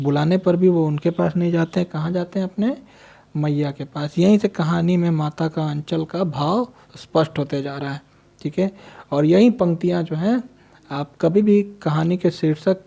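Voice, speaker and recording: Gravelly-voiced man teaching a story. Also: fairly high pitch, mellow. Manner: reads a line then explains it in simple words; asks the class questions and answers them himself. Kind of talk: Hindi literature lesson explaining a story.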